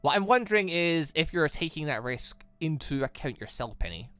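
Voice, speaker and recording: A game player voicing a grave, worried male military commander with a measured, solemn and formal delivery. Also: medium pitch, big pitch swings, fairly bright tone, clear, resonant tone, soft background music.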